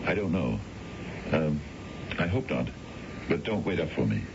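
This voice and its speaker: A self-important, smooth-talking businessman with an extremely low, gravelly voice. He is formal and hesitant, always making polite excuses. It is 1970s radio drama, on a dull, noisy old broadcast recording. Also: sing-song, a little slow, exaggerated voice. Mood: condescending.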